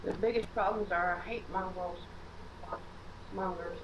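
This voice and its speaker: A woman's voice: on the low side, steady tone, measured pace, muffled recording. A woman's voice echoing from a second device. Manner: chiming in with short remarks. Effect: echoing from a second device on speakerphone. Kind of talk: casual chat. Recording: distant call with loud background noise.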